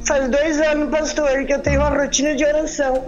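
A woman from southern Brazil calling in by phone, talking in a devout, fervent and slightly halting way. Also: high voice, little pitch movement, darkish tone. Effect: heard over the phone. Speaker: caller. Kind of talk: phone-in prayer call. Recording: muffled phone line with faint music.

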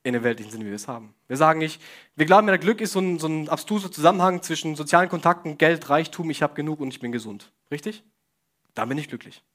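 A man's voice: on the high side, animated, fast, a bit bright. A young man giving a casual sermon, speaking straight to the congregation with questions and joking asides. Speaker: preacher.

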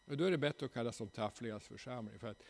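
A man's voice: mid-range voice, gravelly. A Swedish man preaching a church seminar in a folksy, ironic way, often tagging his sentences with a questioning "va?". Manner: folksy, ironic, frequent tag "va?". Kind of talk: seminar sermon. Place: church hall.

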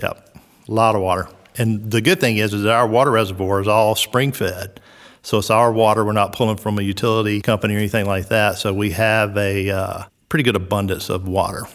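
A man's voice: fairly low pitch, steady tone. Middle-aged Southern man with reverb. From South Georgia, US. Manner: unhurried, lots of "uh" and "um" fillers. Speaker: resort recreation director. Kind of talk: relaxed interview answers.

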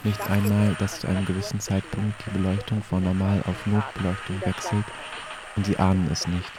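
A man playing a detached, solemn radio play narrator, speaking in measured, deliberate short phrases. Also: low-pitched, completely flat delivery, over music, natural voice. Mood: detached, calm. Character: detached, solemn male narrator of a tunnel journey. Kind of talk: slow, scripted literary radio play narration.

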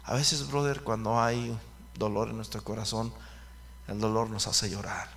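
A man's voice: on the low side, fairly even intonation, unhurried, fairly bright tone, slight background noise. A man preaching a fervent sermon who keeps calling out to his listeners as brothers. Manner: fervent, calls out to the congregation often.

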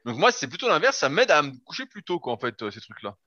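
A man's voice: a little high, big pitch swings, fast, sharp tone, no room sound. A man co-hosting a sports podcast, giving blunt, grumbling opinions in casual chat. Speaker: podcast co-host. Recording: dry, dull lo-fi sound.

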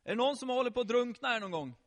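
A middle-aged man telling a Bible story to children in a lively way, often quizzing them with questions. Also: very high voice. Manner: animated, asks the children questions. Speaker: children's preacher.

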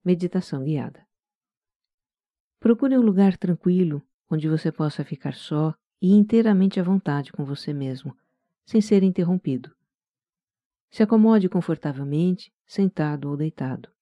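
A meditation guide with a Brazilian accent, speaking gently, calmly and softly in a soothing scripted narration. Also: medium pitch, normal speed, no echo, highs cut off. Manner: gentle, calm, soft-spoken.

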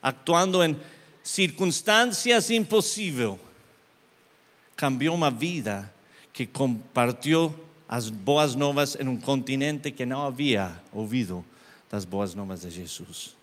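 Man preaching slowly in a ringing hall. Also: medium pitch, expressive. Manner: impassioned, swinging from hushed to loud. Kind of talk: sermon with storytelling.

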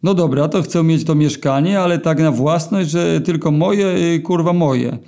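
A man voicing a crude, excitable young slob who swears and makes demands, in a read-aloud story. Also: fairly high pitch, moderate pace, vocal fry. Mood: demanding.

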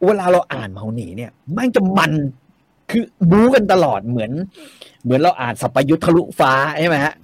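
Guy talking about novels, lively up-and-down voice, bit husky, swears a lot, dry sound. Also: a little high, a little fast, no room sound. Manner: animated, swears freely, emphatic repetition. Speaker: guest discussing novels. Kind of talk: casual chat.

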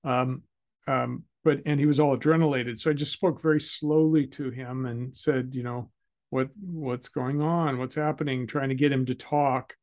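A man, a guest in an interview, calmly telling a personal story with hesitant fillers. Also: medium pitch, moderate pace. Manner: calm and reflective, with hesitant fillers.

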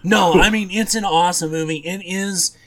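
A man co-hosting a podcast in casual movie chat, often pausing and correcting himself as he goes. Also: sits high, fairly even intonation. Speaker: podcast co-host.

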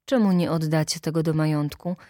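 A woman's voice: sits low, steady tone, fairly quick, dark tone, dry recording, studio quality, lightly acted. A woman reading a story aloud and voicing a hesitant male delegate from out of town who speaks in a raised voice. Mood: eager.

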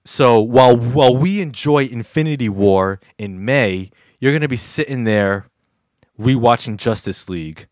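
A man's voice: medium pitch, unhurried, darkish tone, no echo, clean studio sound. A male podcast co-host in casual banter who teases and boasts and stammers when worked up.

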